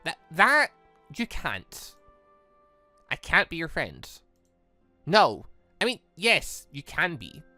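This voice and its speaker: A let's player voicing an anxious, earnest robot girl from a visual novel, gentle and hesitant. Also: mid-range voice, huge pitch swings, slow, long pauses, dry recording, soft background music, heavily acted.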